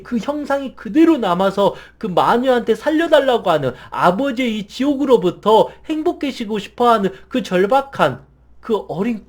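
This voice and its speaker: High, expressive man telling a confession. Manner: earnest, emotional, swings from hushed to intense. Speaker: meditation and hypnosis counselor. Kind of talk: personal confessional storytelling.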